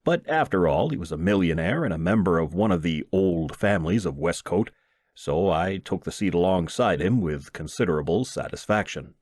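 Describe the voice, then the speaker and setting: A man reads a comic short story as an expressive narrator. His voice sits fairly low and moves around a lot in pitch. The sound is dry, with very little room in it. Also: moderate pace, dry recording. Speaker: audiobook narrator and reader.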